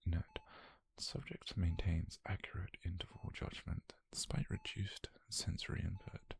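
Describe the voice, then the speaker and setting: A British man playing a detached, clinical scientist in a whispered ASMR roleplay, measured and softly controlling, murmuring notes on a captive subject. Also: huge pitch swings, heavily acted. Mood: cold, precise. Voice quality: breathy, gravelly low murmur.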